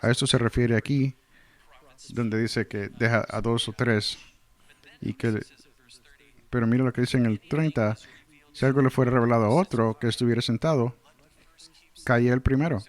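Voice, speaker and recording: A man's voice: mid-range voice, fairly even intonation, normal speed, pauses often. A man delivering a verse-by-verse sermon in translation, earnestly reading scripture and explaining it. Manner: earnest, explanatory, reads scripture then comments. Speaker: Spanish translator of a pastor's sermon.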